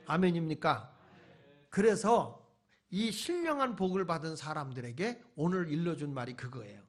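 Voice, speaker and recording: A man's voice: fairly high pitch, breathy edge. A male pastor preaching at a church revival meeting, firing rhetorical questions at the congregation and mixing in folksy humor. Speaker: pastor, guest revival speaker. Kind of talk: sermon.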